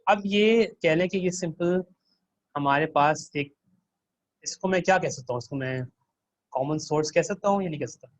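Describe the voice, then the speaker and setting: A man's voice: a little high, moderate pace, pauses often, dry recording, low-quality recording. A man working as a teaching assistant, walking students through a circuit simulation and quizzing them with questions.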